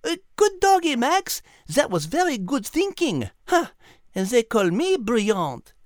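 A man voicing a brilliant, gentle female cat with a French accent, patiently explaining in a children's animal story. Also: extremely high pitch, huge pitch swings, measured pace, dry recording, clean studio sound, voice pushed up, full character voice. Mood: fond, approving.

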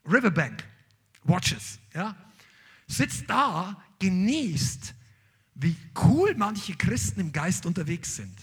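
Male pastor, husky, high-pitched voice, emphatic sermon delivery. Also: slow. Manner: animated, emphatic preaching with sudden loud peaks.

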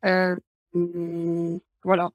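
A woman's voice: on the low side, monotone, very slow, no room sound, muffled recording, soft background music. Hesitant young woman, Ukrainian accent. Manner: hesitant, many fillers. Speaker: guest. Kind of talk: interview answers.

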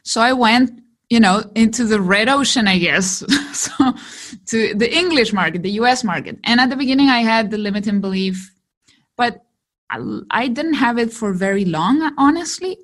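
A woman from Chile whose first language is Spanish, a digital marketer telling her story in a lively interview and laughing often. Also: fairly high pitch, normal speed. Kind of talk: conversational interview.

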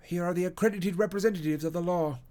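An assured gentleman detective, performed by a male audiobook narrator, with a fairly high voice for a man. He reasons aloud in precise, dry, instructive phrases, brisk and sure of himself. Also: lightly acted. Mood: keen, excited. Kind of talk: audiobook character acting.

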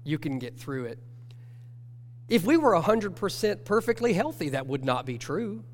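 Brief: man with a cold, nasal church teacher, earnest and measured, long reverb around him. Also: sits high, very animated. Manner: earnest, measured, self-correcting. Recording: long hall reverb with faint hum.

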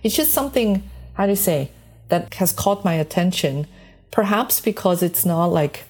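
Low-voiced, slightly husky Swiss-born woman. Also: animated, moderate pace, darkish tone. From Switzerland. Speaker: podcast guest, space mission engineer. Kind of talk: conversational interview answers.

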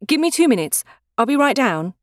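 A woman's voice: big pitch swings, brisk, dry recording, clean studio sound. A woman voicing a spirited, anxious young woman who talks in a raised, exasperated way, in an audiobook. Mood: brisk. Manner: exasperated, higher and brighter than the narration.

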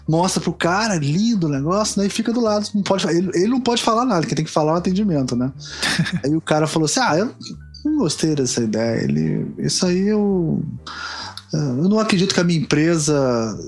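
A man's voice: fairly high pitch, slightly rough. A man chatting casually and telling an anecdote, acting out the quoted people, laughing often and swearing freely. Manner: animated storyteller, acts out quotes, laughs often, profanity. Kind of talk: casual podcast chat, anecdote.

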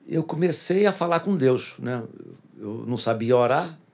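A man's voice: medium pitch, lively intonation, normal speed, darkish tone. A pastor tells his personal testimony in a casual interview, earnestly repeating phrases for emphasis.

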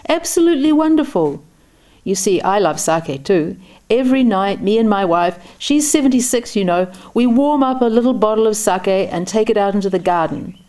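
A woman's voice: mid-range voice, lively intonation, normal speed, warm tone, voice pushed up, natural voice. A woman reading a story aloud, voicing a tiny, cheerful old man in his seventies who talks in an easy, friendly way. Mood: delighted.

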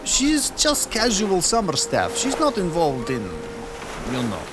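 Man playing a bumbling henchman in a radio comedy, high lively voice, broken english, music behind. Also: measured pace, noisy background, full character voice. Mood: hesitant. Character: bumbling male henchman, gloomy and vain.

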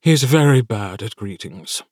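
A man doing a gruff demon warrior lord. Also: animated, a little slow, no echo, studio quality. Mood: commanding. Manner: deep, gruff, commanding. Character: towering stern male demon warrior lord.

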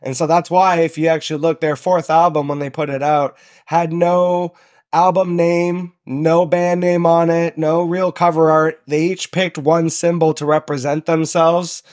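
A young man from Southern Ontario, talking as a podcast guest. His voice sits a little high, and he rambles along in a loose, relaxed way with lots of ums and uhs. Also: measured pace. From Southern Ontario, Canada. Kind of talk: casual interview chat.

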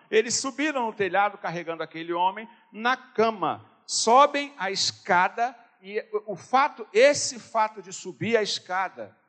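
A man with a Brazilian Portuguese accent preaching a sermon, swinging from loud shouted exhortation to quiet storytelling. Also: high-pitched. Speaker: pastor. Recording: long hall reverb.

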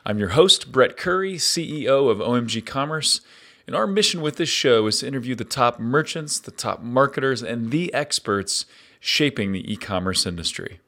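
An upbeat man hosts a podcast on location at a conference, chatting easily with fillers and quick asides. His voice sounds a little raspy and worn from days of nonstop talking, and his pitch sits in an ordinary middle range. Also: lively intonation, pushed and bright. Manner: upbeat, conversational, with frequent fillers. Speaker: podcast host. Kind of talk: casual podcast chat with read ad.

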